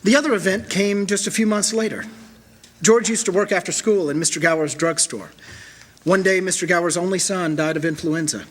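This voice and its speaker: A man playing a kindly, authoritative superintendent of angels, measured and in charge, in a staged radio drama. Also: high voice, a bit bright. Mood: storytelling.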